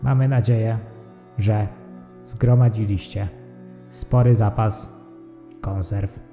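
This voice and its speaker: A man voicing an intelligent yogurt that rules with calm, cold superiority in a measured, formal, commanding way for an audio drama. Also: lowish voice. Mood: cool condescension. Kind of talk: audio drama character acting. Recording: muffled, long echoing reverb, faint music behind.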